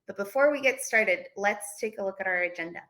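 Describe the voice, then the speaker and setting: A woman's voice: medium pitch, a little fast, pushed and bright. A woman from Portugal giving an informal online presentation as an events manager.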